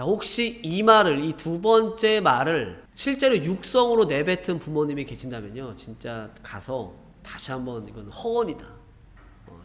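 A man's voice: a little high, slight background noise. A young man, an exam consultant, talks parents through what not to say, acting out the parents and their kids as he goes. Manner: animated, acts out parent and child quotes. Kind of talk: livestream advice talk to parents.

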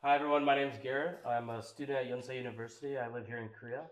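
A man's voice: mid-range voice, fairly even intonation, slow, echoey room, over music, rough recording. A young American man, a native English speaker, answering casually as a guest and switching between English and American-accented Korean. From United States. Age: young adult. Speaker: guest, graduate student.

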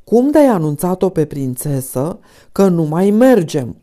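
A woman reading an audiobook voices a sickly, irritable male painter who speaks hoarsely and with agitation. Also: fairly low pitch, animated, dark tone, close to an everyday voice. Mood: irritated. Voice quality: hoarse, strained. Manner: agitated, exasperated.

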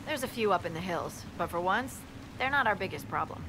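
Female army scout, lowish voice, earnest and matter-of-fact, weary, video game, clear ambient noise behind. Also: expressive, normal speed. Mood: grave, businesslike. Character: weary, dutiful female military scout reporting to her commander. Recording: noisy outdoor game ambience.

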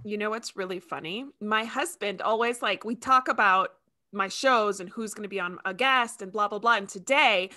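A woman in her thirties from Ecuador, a native Spanish speaker with a slight accent, hosting a casual video-call chat in an upbeat, animated way. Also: medium pitch, moderate pace. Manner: bubbly, animated, laughs often. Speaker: host. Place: home studio with shelves.

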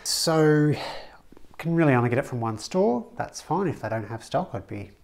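A man's voice: medium pitch, sing-song, normal speed, creaky, a little mellow, a little hiss or hum. Chatty man in his workshop. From Australia. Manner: chatty, practical, wry asides. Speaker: woodworking channel host. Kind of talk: casual how-to vlog. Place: brick-walled home woodworking workshop, indoors.

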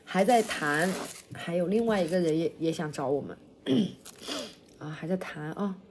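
A woman hosting a livestream, chatting casually with viewers between songs, her throat feeling blocked and a little hoarse. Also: lowish voice, animated, a little mellow, a little hiss or hum. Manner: sings then chats quickly to viewers, self-deprecating. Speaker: livestream host. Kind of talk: casual livestream chat and singing.

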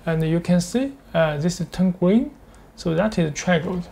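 Mellow, man giving a tutorial. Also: sits high, creaky. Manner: step-by-step, halting non-native English phrasing. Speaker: product demonstrator. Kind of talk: screen-share tutorial with live demonstration.

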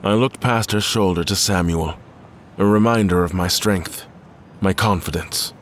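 A man's voice: deep voice, unhurried, a little hiss or hum. A man playing a courteous, guarded admiral in an audio drama, speaking politely and formally. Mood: tense narration. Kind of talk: audio drama acting and first-person narration.

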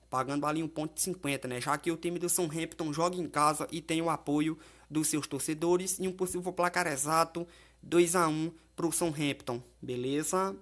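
A Brazilian man with a somewhat high-pitched voice hosts a voice-over of sports betting tips. His delivery is casual commentary, colloquial and familiar, aimed straight at his viewers. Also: a bit bright. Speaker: sports betting tipster and host.

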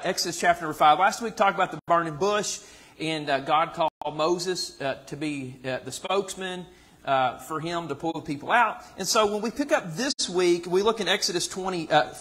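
Heard through a rough recording from a camera far back in the pews, this thirties-aged man with a Southern accent leads a church Bible study casually, full of fillers and restarts. His voice is fairly high and a bit bright.

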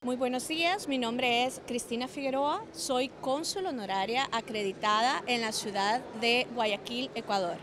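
A woman's voice: fairly high pitch, normal speed, hardly any pauses. A woman in her thirties, an honorary consul, answering interview questions earnestly in a large conference hall, with small restarts. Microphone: handheld mics and phone held up close. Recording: crowd murmur in a hall. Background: crowd chatter.

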